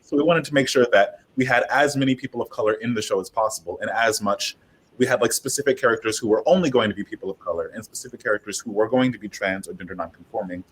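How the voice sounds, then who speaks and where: Casual, emphatic man over rumbly noise. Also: quick pace, poor audio. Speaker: panelist, audio drama creator. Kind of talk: casual panel discussion. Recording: clear background noise with low rumble.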